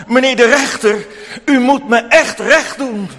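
A man voicing a desperate, pleading poor widow in a told story, his voice pushed high and insistent. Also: measured pace, full character voice. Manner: pleading, rising to shouting. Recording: long hall reverb.

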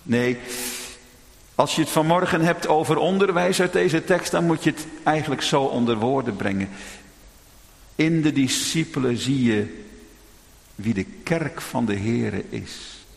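A man preaching a sermon dramatically, moving between raised pleading and hushed, low tones. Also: expressive, a little slow, gravelly, pauses often, big-room sound.

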